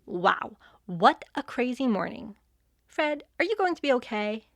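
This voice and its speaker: Woman as a lively, wry young adventurer. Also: on the high side, unhurried, gravelly, no room sound, clean studio sound, heavily acted. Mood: wry, casual. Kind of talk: fantasy audio drama acting.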